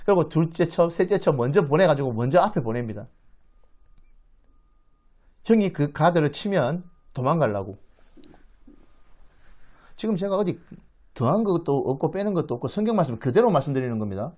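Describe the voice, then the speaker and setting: Guy teaching a bible class like a story, acts out the lines, lots of ups and downs, kind of high voice. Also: moderate pace, pauses often. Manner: animated, acts out the quoted speech, asks the audience questions. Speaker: Bible lecturer. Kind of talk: dramatic storytelling lecture.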